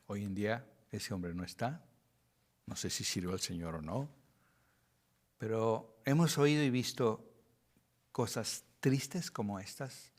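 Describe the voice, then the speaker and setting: Earnest Mexican pastor teaching Scripture. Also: male voice, on the low side, takes it slowly, long pauses. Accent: Mexican Spanish. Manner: earnest, with frequent restarts. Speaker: pastor teaching a Bible study. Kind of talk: Bible study teaching.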